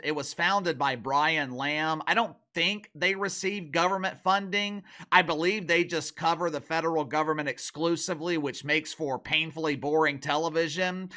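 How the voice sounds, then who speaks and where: Casting: animated male commentary host, forceful bright tone, mocking and opinionated. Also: fairly high pitch. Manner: sarcastic, mocking, emphatic.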